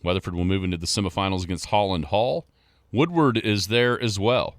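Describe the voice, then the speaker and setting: A man's voice: fairly low pitch, fairly quick, no room sound, studio quality. A man hosting a sports radio show, chatting in an easygoing, joking, rambling way as he runs through scores.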